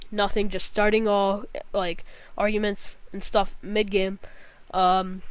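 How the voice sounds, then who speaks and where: A woman's voice: medium pitch, clear, resonant tone, no echo. A young woman with a nasal, congested voice from a cold, giving a casual, rambling gaming vlog. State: sick with a cold, scratchy throat, nasal. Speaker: gaming vlogger.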